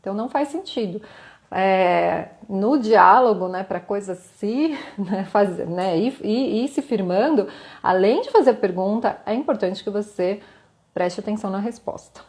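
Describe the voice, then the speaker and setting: A woman's voice: medium pitch, animated, a little slow, a little mellow. A woman with a Brazilian Portuguese accent gives a live-streamed lesson, explaining in a conversational way, tagging her points with little questions and light laughs, and answering viewer comments. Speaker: communication instructor.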